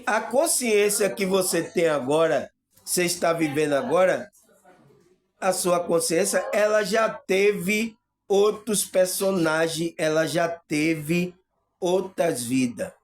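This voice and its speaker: Slow-speaking Bahian man teaching spirituality. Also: sits high. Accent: Bahian Brazilian Portuguese. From Salvador, Bahia, Brazil. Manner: keeps asking viewers if they understand, hesitant fillers. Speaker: spiritual video host. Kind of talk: spiritual teaching monologue to camera.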